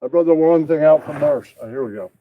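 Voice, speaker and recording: A man's voice: on the high side, quick pace. A man hosting an improvised comedy puppet show, talking off the cuff. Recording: dull, muffled lo-fi sound.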